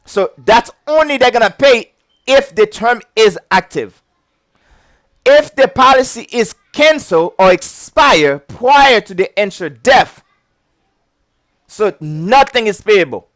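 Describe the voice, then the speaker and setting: High-voiced man with a heavy accent. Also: slow pace, no echo. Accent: non-native English. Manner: repetitive, chuckling, animated teaching. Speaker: insurance licensing instructor. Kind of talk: casual video lesson.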